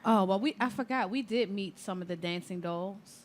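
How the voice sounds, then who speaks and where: A woman co-hosting a radio talk show, upbeat and quick to chime in. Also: mid-range voice, slight background noise. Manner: lively, upbeat, chiming in. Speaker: radio co-host. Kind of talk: casual chat.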